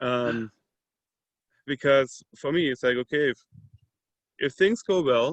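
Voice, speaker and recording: Speaking at a fairly slow pace with long, frequent pauses, a man with a German accent has a fairly high pitch and ordinary pitch variation. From Germany, Alpine foothills. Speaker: brewery founder. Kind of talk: podcast interview.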